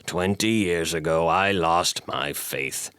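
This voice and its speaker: A man playing a haunted, cryptic blind old ex-preacher in an audio drama, speaking deliberately and portentously in old-fashioned phrases. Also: low voice, a bit bright, smooth, no room sound. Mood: brooding, bitter. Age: older.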